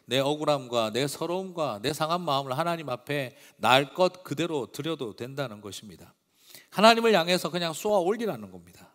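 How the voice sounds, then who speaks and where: Male pastor, lively preaching voice, punchy then hushed, sermon in a reverberant church hall. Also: on the high side, brisk. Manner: emphatic and expressive, swinging between loud and hushed. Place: church sanctuary. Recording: long reverb of a large hall.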